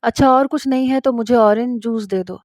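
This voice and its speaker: A woman's voice: on the high side, darkish tone, no echo, clean studio sound, close to an everyday voice. Fields: Figure: spoiled rich young woman, voiced by a female narrator. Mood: fussy.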